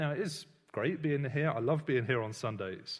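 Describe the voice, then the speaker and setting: Somewhat breathy man with a British accent and lively intonation, on a very clean recording with a silent background. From Britain. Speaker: preacher. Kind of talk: sermon.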